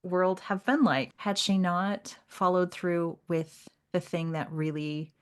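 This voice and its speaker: A woman's voice: lowish voice, fairly even intonation, slow pace, smooth. A woman co-hosting a podcast, talking through literature in a casual, reflective and appreciative way. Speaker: podcast co-host.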